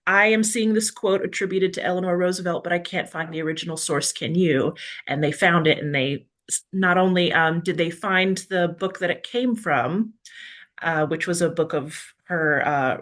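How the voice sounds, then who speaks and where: Woman, illustrator, lowish voice, chatty storyteller, casual panel talk. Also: moderate pace, fairly bright tone. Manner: chatty, storytelling, laughs between phrases. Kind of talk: casual panel chat about a book.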